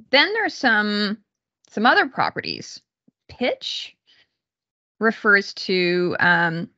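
A woman giving an explanatory online lecture, speaking haltingly with pauses mid-sentence over a video call. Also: medium pitch, creaky, bright, forceful tone, lo-fi sound. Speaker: university psychology lecturer. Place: small room indoors, on a video call.

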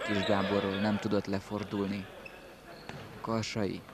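A man's voice: on the low side, monotone. A man giving terse play-by-play commentary on indoor football, clipping out players' names. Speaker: match commentator. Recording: loud sports-hall noise, bouncing ball.

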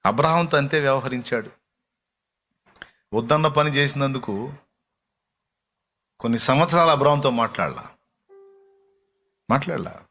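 A man preaching a sermon as a pastor, talking in a conversational way full of rhetorical questions, dropping into soft low asides and rising into pleading exclamations. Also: moderate pace, long pauses, faint music behind.

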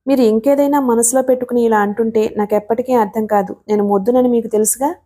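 Loving young wife, read by a woman, storybook, earnest, reproachful, mellow tone. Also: fairly high pitch, steady tone, fast, close to an everyday voice.

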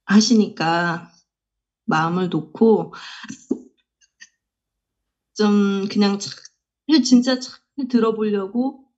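A woman's voice: mid-range voice, fairly even intonation, takes it slowly, pauses often, darkish tone, dull audio. A woman student confessing candidly in a question session, hesitant with many fillers and sheepish laughs, over a remote call line.

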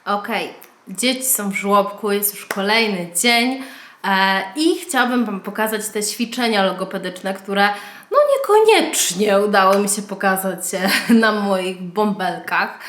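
A woman's voice: medium pitch, unhurried. A woman in her thirties, a mother vlogging at home, showing speech games to toddlers and chanting sounds for them. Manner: lively, sing-song sounds for toddlers. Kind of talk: casual vlog demonstration. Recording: echoey home room with noise.

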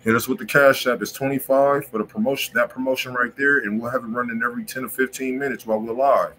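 A man with an American accent hosting a livestream, chatting in casual slang and pitching insistently, often repeating himself. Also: fairly even intonation, quick pace, fairly bright tone, slight background noise, rough recording. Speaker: music review stream host. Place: indoor room on a livestream.

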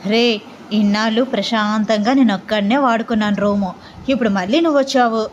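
Woman as whiny chatty young man, playful complaining, slightly high, faint hiss. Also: a little fast, highs cut off, lightly acted.

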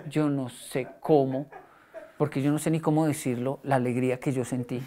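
A man giving a lively storytelling talk, acting out voices in his stories. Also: medium pitch, normal speed. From Colombia. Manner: animated, acts out quoted voices, laughs. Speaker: motivational speaker.

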